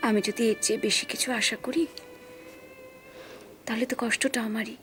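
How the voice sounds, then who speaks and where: An actress playing a weary young woman stuck in a hospital bed, speaking quietly and sadly with a Bengali accent. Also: fairly high pitch, fairly even intonation, moderate pace, soft background music, natural voice. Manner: quiet, subdued, melancholy speech. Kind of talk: TV serial drama acting.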